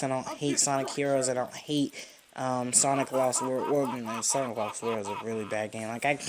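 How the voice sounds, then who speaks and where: A fourteen-year-old boy giving casual, rambling and opinionated commentary as he plays a video game. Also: medium pitch. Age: 14, teenager. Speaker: gamer narrating a playthrough. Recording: game music behind the voice. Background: video game music.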